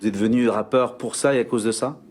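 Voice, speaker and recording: A man who conducts a formal face-to-face interview, asking measured, polite questions. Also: mid-range voice, a little mellow, slight background noise.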